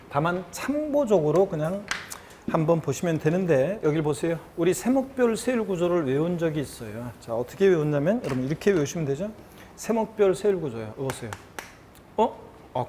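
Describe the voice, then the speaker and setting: A man's voice: a little high, a little mellow, a little hiss or hum. A middle-aged man teaching an exam prep lecture, chatty and repetitive, often turning to his students. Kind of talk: recorded online lecture. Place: lecture studio.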